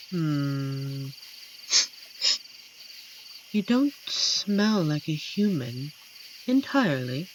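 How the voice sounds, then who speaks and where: A woman acts out a friendly she-werewolf, guardian of the woods, in an intimate audio roleplay. Her voice is low and swings widely in pitch as she teases and chats. Faint night insects sound behind her. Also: background noise, heavily acted. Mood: curious, intrigued. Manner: unhurried, teasing, chatty with dramatic pauses. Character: amiable, playful female werewolf guardian of a forest. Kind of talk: scripted audio roleplay addressed to the listener.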